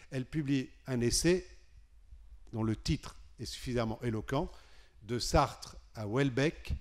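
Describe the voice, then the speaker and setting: A man's voice: medium pitch, darkish tone. Man moderating a festival panel. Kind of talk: introducing a guest on stage. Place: festival stage with audience.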